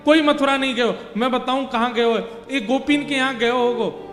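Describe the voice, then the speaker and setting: A man's voice: extremely high pitch, moderate pace, fairly bright tone. A man voicing a very old blind mother who searches for her son, scolding and pleading in village dialect. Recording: echoey hall with faint music.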